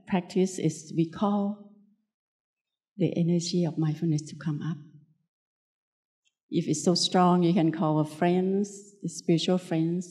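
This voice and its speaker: Slow, low-voiced Thai woman teaching. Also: dark tone. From Thailand. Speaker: Buddhist nun giving a dharma talk. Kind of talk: unscripted spiritual teaching talk.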